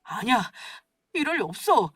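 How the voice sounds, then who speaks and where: A sheepish husband who stammers and begs, as a woman reader voices him. The voice sits fairly high and swings up and down, heard dry and from a step back from the microphone in a storybook-style audio drama. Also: big pitch swings, unhurried, a bit bright, slightly rough, no room sound, heavily acted. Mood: pleading. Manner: stammering, pleading. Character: sheepish scheming adult husband, man. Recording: dry, distant from mic.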